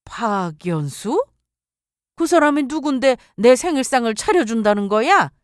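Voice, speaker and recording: A woman's voice: on the high side, sing-song, a little slow, dry recording, clean studio sound, pitched above the performer's own voice. A woman voicing a demanding older mother-in-law in a story radio drama, drawling and indignant.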